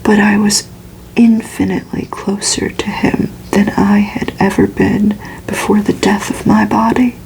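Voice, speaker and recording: A woman softly whispering a novel aloud in a breathy, hushed, measured ASMR storytelling style. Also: medium pitch, rough recording. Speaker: ASMR reader. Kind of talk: whispered ASMR audiobook reading of a gothic novel.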